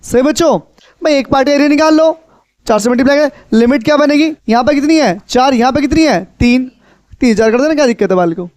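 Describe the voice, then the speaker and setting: A man's voice: very high-pitched, fast talker, darkish tone, dry recording. A man teaching a maths class, repeating questions to his students in a coaxing, instructive way. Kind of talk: classroom lecture.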